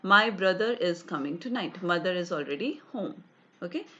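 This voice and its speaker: A woman's voice: on the low side, lively intonation, normal speed, a bit bright, highs cut off. A woman with an Indian English accent teaching an online grammar class, explaining rules step by step and often checking "right?" and "got it?".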